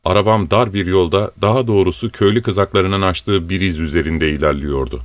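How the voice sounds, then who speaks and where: Low-voiced male audiobook narrator. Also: no room sound. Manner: measured, storytelling. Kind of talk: scripted narration.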